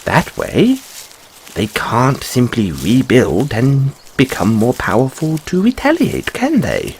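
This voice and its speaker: A man's voice: mid-range voice, wildly swooping pitch, slow, a little hiss or hum, exaggerated voice, poor audio. A man voicing a curious, fussy white rabbit boy in a fantasy audio roleplay, musing theatrically with quaint, questioning phrasing. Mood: musing, inquisitive.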